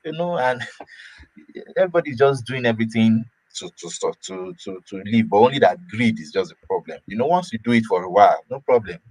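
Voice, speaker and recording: A man from Nigeria talks casually. His voice sits at an ordinary pitch, and the sound is dry and close. He trips over his words, repeats himself and laughs lightly as he goes. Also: lively intonation, brisk, darkish tone, breathy edge, no room sound, rough recording. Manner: repeats and restarts words, laughs mid-sentence. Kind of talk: casual opinion talk.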